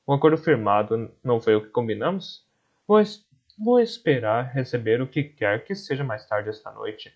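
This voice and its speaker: A man's voice: mid-range voice, expressive, lo-fi sound. A man doing a courteous, clever magician. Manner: polite, measured.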